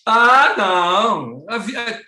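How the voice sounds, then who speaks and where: A man voicing a lost, nervous, talkative woman of seventy, with a high, fretful, pleading voice. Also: big pitch swings, takes it slowly, sharp tone, heavily acted. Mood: chatty. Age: 70s. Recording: roomy echo.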